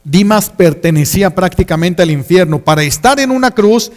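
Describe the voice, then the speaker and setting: A Catholic priest, his voice pitched high for a man, preaching a sermon in a pleading, repetitive way full of rhetorical questions. A long reverb trails after his words. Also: lively intonation, normal speed.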